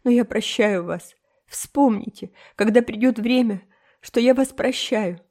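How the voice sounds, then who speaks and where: A woman's voice: medium pitch, steady tone, moderate pace, mellow, close to an everyday voice. A woman voicing a dreamy, dramatic orphan girl in an audiobook, talking in a theatrical, emotional way. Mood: tragic. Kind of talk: audiobook character reading.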